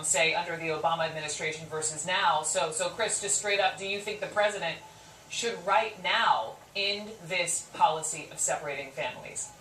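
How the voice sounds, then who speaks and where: A woman's voice: fairly low pitch, fairly bright tone. A woman conducting a live television news interview, pressing her points emphatically and repeating them for weight. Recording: roomy echo, distant mic, faint noise.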